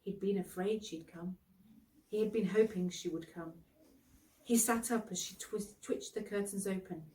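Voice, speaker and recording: A woman narrating a storybook expressively, with dramatic, deliberate phrasing. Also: medium pitch, warm tone, far from the mic, low-quality recording.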